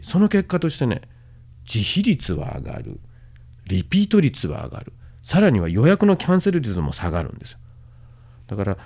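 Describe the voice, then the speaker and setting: A man's voice: a little high, warm tone. A man hosting a podcast lecture, explaining things casually to listeners and encouraging them, padding his talk with fillers and tag endings. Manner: casual, with many fillers and sentence-final tags. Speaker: host and medical management lecturer.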